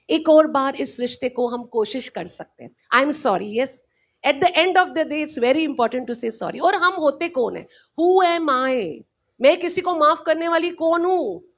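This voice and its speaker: High-voiced earnest woman giving a pep talk. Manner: earnest, preachy, repeats key phrases. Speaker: host. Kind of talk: motivational live-stream talk.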